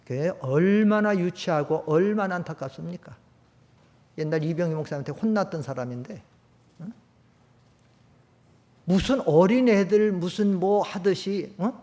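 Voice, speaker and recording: Older male pastor preaching with high pitch. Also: normal speed, long pauses. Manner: conversational preaching, rising to loud emphatic peaks, drops low for stories. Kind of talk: sermon. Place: church sanctuary.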